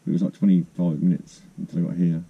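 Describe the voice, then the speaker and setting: A man's voice: deep voice, little pitch movement, fast, phone-quality sound, a little hiss or hum. A man, chatting casually and rambling self-mockingly in a parked van. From United Kingdom. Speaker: van life vlogger. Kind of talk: casual vlog chat.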